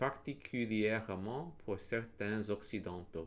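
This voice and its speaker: The man speaks very slowly at a medium pitch. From United States. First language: not French; French is third language (speaking French). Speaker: professor. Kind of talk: lecture. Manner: halting, with hesitations.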